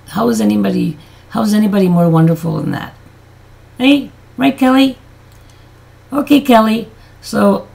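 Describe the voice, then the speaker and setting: A woman with a deep, throaty voice chatting in a rambling, self-deprecating way on a casual beauty vlog; her voice has changed and she can't hit high notes. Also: gravelly, darkish tone. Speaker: beauty vlogger.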